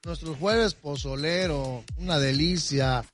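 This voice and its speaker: A man's voice: a little high, takes it slowly, a bit bright, soft background music. A man with a Mexican Spanish accent, a chef enthusiastically listing dishes one by one on a live radio remote from a hotel restaurant. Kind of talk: on-air promotional chat.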